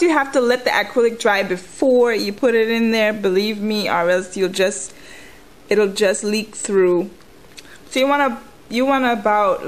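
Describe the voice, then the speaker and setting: Chewing gum as she goes, a woman with a mid-range voice gives an informal, hands-on nail tutorial, explaining each step conversationally. The recording sounds rough.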